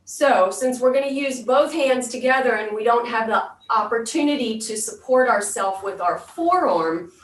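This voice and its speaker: A woman's voice: a little high, expressive, normal speed, few pauses. A woman fitness instructor leading an exercise class, giving step-by-step instructions and counted cues. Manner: clear step-by-step cueing. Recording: roomy echo, distant microphone.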